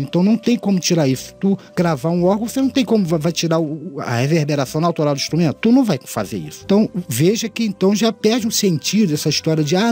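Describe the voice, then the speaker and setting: A middle-aged Brazilian man who hosts an audio mixing tutorial channel gives an earnest, informal lesson, often repeating and rephrasing his points while addressing listeners formally. He has a tongue-tied lisp with slushy s sounds and a fairly high, warm voice.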